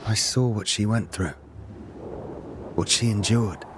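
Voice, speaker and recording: A man's voice: on the low side, takes it slowly, noisy background. A man playing a grave, resolute young warrior hero in a video game, speaking in an earnest, terse way. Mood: sorrowful. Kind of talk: video game cutscene acting.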